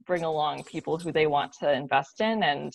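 A woman's voice: low-pitched, normal speed, vocal fry, a little hiss or hum. An American woman in her thirties from Brooklyn, talking candidly as a panel guest in a roundtable over a video call. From Brooklyn, New York. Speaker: theatre maker and panel guest. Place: bright living room at home. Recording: slightly dull video-call audio.

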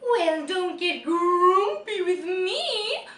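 A woman's voice: extremely high pitch, sing-song, extremely slow, pushed and bright, slight background noise, exaggerated voice. A woman voicing a precious, twee princess type with a foul temper, singsong and swooping. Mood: precious, miffed. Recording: echoey room, distant mic.

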